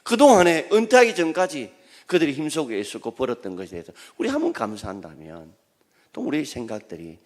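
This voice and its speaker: A man with a delivers a Sunday sermon in a slightly high voice that rises and falls sharply. He moves from quiet, hushed asides to loud, impassioned outbursts. His voice rings through a church sanctuary with a long reverb. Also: huge pitch swings, quick pace. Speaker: pastor.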